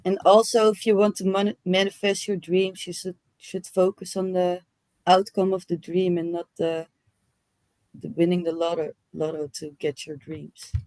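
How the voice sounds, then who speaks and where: A woman keeping a livestream host company, chatting in a relaxed, hesitant way with plenty of fillers. Her voice comes through dry and close, with no room sound. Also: fairly low pitch, normal speed, no room sound. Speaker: livestream guest. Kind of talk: casual chat.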